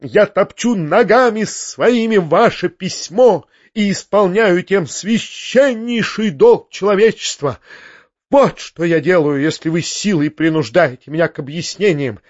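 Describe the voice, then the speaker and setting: A man's voice: fairly high pitch, sing-song, slow, no echo, muffled recording. A man voicing a pompous, sanctimonious older male tyrant who preaches and shrieks. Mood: shrieking. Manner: preachy, shrieking when enraged.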